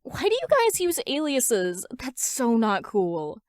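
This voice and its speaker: A woman voicing an excitable, bloodthirsty teenage girl villain in a fan fiction reading, bubbly and gushing. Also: fairly high pitch, slow, dry recording, clean studio sound, voice pushed up, heavily acted. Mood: pouting.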